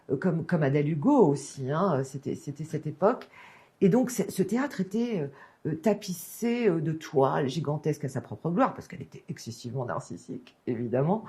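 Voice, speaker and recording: A female author answers with emphatic enthusiasm, piling on praise and restarting her sentences as ideas rush in. Her voice sits low for a woman, with a dark, mellow tone. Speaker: author and biographer guest. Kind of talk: passionate interview answers.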